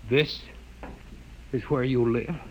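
An actor playing a proud, rigid young scientist in a 1950s radio drama, questioning in an indignant, disbelieving way. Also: male voice, mid-range voice, steady tone, takes it slowly, soft background music, lightly acted, low-quality recording.

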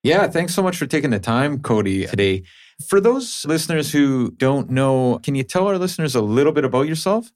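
A man's voice: medium pitch, very animated, brisk, darkish tone, dry recording. A man co-hosting a podcast in a conversational style, speaking close to the microphone. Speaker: podcast co-host.

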